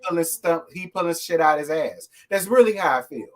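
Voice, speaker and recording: A co-host chats casually about gossip, sounding laid-back and mostly agreeing, then dropping blunt asides. The voice sits at a medium pitch. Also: animated, a little fast, crowd noise.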